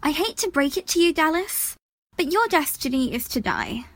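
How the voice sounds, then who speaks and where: A woman's voice: high voice, very animated, moderate pace, no echo. A woman playing a cynical, bluntly pedantic young woman with a dry manner in an audio drama.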